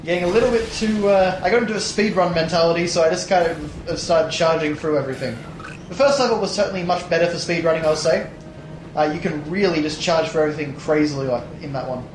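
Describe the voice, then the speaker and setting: A young man with a tired, hoarse voice, casually commenting on a platformer as a let's play host, rambling with many fillers and restarts. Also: fairly high pitch, fast talker, reverberant, background noise. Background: game music.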